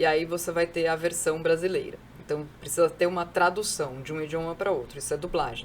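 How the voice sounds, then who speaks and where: A woman with a fairly low voice talks at a fairly quick pace over noticeable background noise. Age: 40s. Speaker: actress and voice actor. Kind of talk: interview. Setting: studio.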